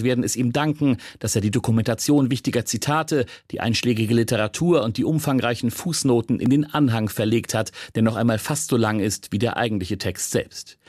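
A man reading a scripted radio report in an even, read-aloud manner. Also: mid-range voice, no room sound, clean studio sound. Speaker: correspondent.

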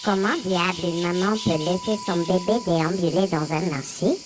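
An actress playing a chatty, kind-hearted market woman who speaks in lively exclamations. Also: on the low side, normal speed, over music, lightly acted.

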